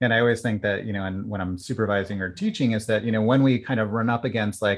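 Using an ordinary speaking voice, a man talks at a fairly low pitch with fairly even intonation. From United States. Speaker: podcast host and psychologist. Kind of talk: interview.

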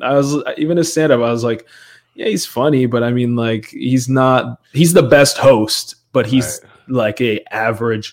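A man with a West Coast accent, at a medium pitch and a moderate pace. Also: ordinary pitch variation. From Portland, Oregon. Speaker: comedian. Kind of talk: casual chat.

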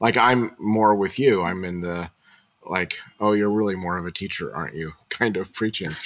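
The voice is a normal speaking voice at a moderate pace. Its pitch varies in an ordinary way. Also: man, fairly low pitch for a man. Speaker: podcast host. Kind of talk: interview conversation.

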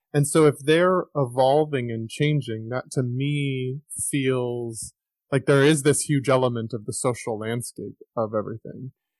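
A normal speaking voice from a man, medium in pitch, fairly even in intonation and fairly slow in pace, with a dry, close sound and no echo. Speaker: podcast host and life coach. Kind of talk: interview conversation.

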